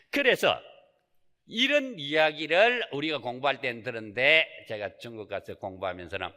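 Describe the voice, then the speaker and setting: In a reverberant temple hall, a Buddhist monk with a medium-pitched, bright and forceful voice delivers a Sunday Dharma sermon. He mixes in rhetorical questions and folksy asides.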